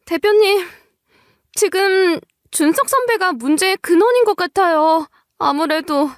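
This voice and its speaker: Woman doing a scared office junior in a story drama, frantic, very high pleading voice. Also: lively intonation, a little slow, dry recording, clean studio sound. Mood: panicked. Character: panicked, fearful young office employee.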